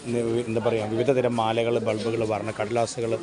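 Male vlogger, Kerala accent, mid pitch. Enthusiastic, repetitive, casual commentary in Malayalam-English mix, over loud market crowd. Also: completely flat delivery, a little fast. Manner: mixes English words into Malayalam. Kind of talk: casual walking vlog commentary. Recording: busy outdoor market crowd noise.

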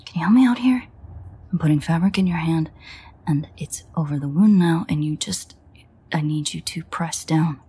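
A woman playing a foul-mouthed, teasing but protective female vampire in an audio drama, with a hushed, breathy, near-whispered delivery. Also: deep voice, normal speed. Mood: urgent, reassuring. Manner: sardonic, swearing, coaxing. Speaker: audio roleplay voice actor. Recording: faint ambient noise, rain.

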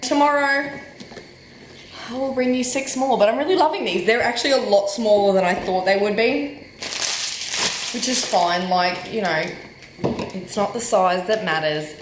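A young woman with a nasal voice talks in a loose, self-mocking, bubbly way as she unboxes toys for her home vlog. Her voice sits at an ordinary pitch for a woman. It carries the bounce of a bare, echoey room, with a light hiss underneath. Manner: chatty and self-mocking, bubbly over small finds. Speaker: book vlogger. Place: home living room and bedroom, indoors.

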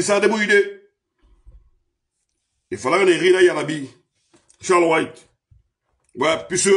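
Male commentator, fiery rant, high-pitched, voice set back from the mic. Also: distant mic. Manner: shouting accusations, swinging between loud and low. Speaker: political commentator. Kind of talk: impassioned political rant.

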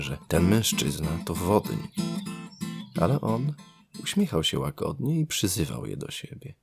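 A man narrating a scripted fairy tale as a storyteller, in a lyrical, expressive manner. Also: sits low, vocal fry.

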